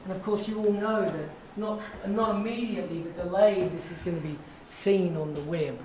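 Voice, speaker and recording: A man, an acting teacher guiding students through a warm-up, encouraging and drawn-out. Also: sits high. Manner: encouraging, coaching with drawn-out phrasing. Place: large echoey class studio. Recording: echoey room, distant mic, noisy.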